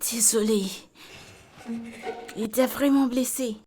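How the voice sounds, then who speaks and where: Woman dubbing bold outspoken woman, blunt, insistent, fairly high voice, film dub. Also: expressive, moderate pace, soft background music, lightly acted. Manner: blunt, repeats herself insistently. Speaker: Vicky, friend tending a beaten woman.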